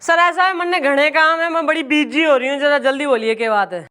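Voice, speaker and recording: An actress with a Haryanvi accent playing a tough, no-nonsense police officer who speaks bluntly in a TV sitcom. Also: female voice, high voice, a bit bright, a little hiss or hum. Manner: brisk, blunt. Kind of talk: TV sitcom acting.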